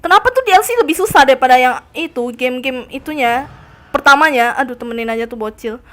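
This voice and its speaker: A high-voiced young woman streams a game live, her tone fairly bright, her pace quick, and her intonation lively. She keeps up casual talk with chat, squeals and shrieks when startled, and jeers at enemies in a faux-tough voice.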